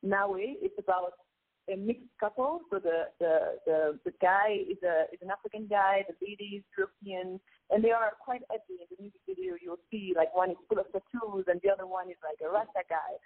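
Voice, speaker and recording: A singer being interviewed casually, this Congolese woman with Lingala as her first language speaks a bit quickly at a medium pitch, her voice swinging widely in pitch. She comes across as earnest and reflective, with hesitant restarts, and the phone line is tinny.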